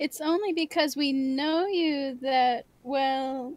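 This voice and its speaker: A put-on character voice, female-sounding and high-pitched, delivered at a very slow pace. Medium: read story. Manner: soft, hesitant.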